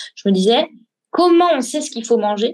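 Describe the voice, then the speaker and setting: With a plain, everyday voice, a woman speaks at a fairly high pitch and a moderate pace, her intonation lively. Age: 30s. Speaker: naturopath. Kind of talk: interview.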